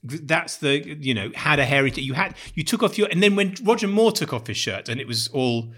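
Fast, lively man bantering. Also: on the high side. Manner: joking, teasing, quick banter. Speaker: podcast co-host. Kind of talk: casual kitchen chat.

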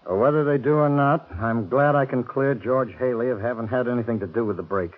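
An actor with an American accent playing a weary, earnest reformed convict in a 1940s radio drama, heard on a muffled vintage recording. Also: male voice, mid-range voice, a little fast, close to an everyday voice. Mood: relieved, confessing. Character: weary, relieved male escaped convict, now reformed.

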